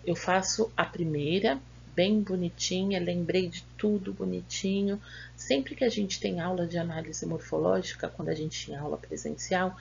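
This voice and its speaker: A woman's voice: lowish voice, darkish tone. A Brazilian woman teacher giving a remote grammar lesson, patiently asking and answering her own questions. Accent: Brazilian Portuguese. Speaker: school teacher. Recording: dull lo-fi audio with faint hum.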